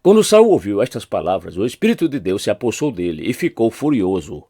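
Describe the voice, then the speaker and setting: A man's voice: on the low side, very animated, a little fast, mellow, slightly rough, dry recording, studio quality. A man with a Brazilian Portuguese accent, a pastor reading Bible chapters aloud and lifting his voice for quoted speech.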